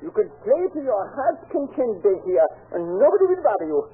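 An actor playing a fussy, bossy shop owner who scolds and chuckles, in a 1930s radio drama on a tinny old broadcast. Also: male voice, very high voice, very animated, brisk, breathy edge, full character voice. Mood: friendly.

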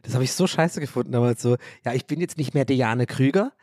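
A man from Ireland rambles through a casual podcast monologue, cracking jokes at his own expense and swearing freely. His voice sits at an ordinary middle pitch. The recording is dry and close. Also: a little fast, mellow, no room sound. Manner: rambling, joking, self-mocking, swears casually. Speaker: podcast host.

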